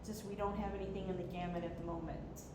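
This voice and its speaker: A woman's voice: fairly low pitch, flat delivery, fast, dark tone. A woman guest on a live show, talking about her rescue group in a rambling, hesitant way. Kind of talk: casual interview chat. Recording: echoey room with background noise.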